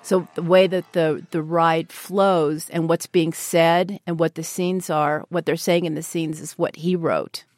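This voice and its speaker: A woman's voice: low voice, steady tone, unhurried, few pauses, a little mellow, no echo. An older woman with an American accent, speaking earnestly and reflectively as a radio interview guest.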